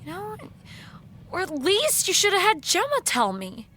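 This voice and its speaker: A woman's voice: very high voice, wildly swooping pitch, pushed and bright, heavily acted. A woman playing an exasperated, anxious campaign staffer who sounds hurt and agitated, in a naturalistic audio drama. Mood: hurt, dismayed. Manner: agitated, sarcastic, halting and repeating herself.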